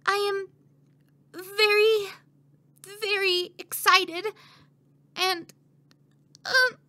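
A woman acting out a timid young prince, anxious about becoming heir, who stammers and restarts constantly. The voice sits very high with a bright, sharp edge. Everything comes out slowly, in halting fragments. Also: fairly even intonation, heavily acted. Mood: nervous. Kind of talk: voice acting audition.

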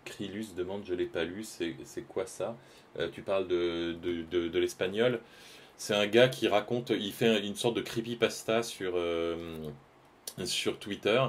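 A man's voice: sits low, measured pace, a little hiss or hum. A man, chatting casually and hesitantly with his stream viewers while he draws live, full of fillers and restarts.

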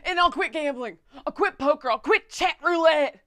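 Woman acting a hard-living bartender, high voice, trashy, desperate, pleading, comedy character. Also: normal speed, bright, forceful tone. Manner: pleading, escalating lists.

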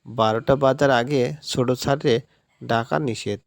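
A man's voice: mid-range voice, steady tone, a little slow, gravelly, dry recording, clean studio sound. A man voicing a timid, fearful middle-aged housemaid who speaks in rustic village speech.

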